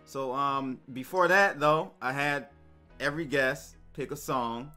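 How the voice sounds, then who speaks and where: Bright-voiced young man hosting. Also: mid-range voice, measured pace, faint music behind. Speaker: podcast host. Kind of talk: casual interview chat. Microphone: studio microphone on a stand.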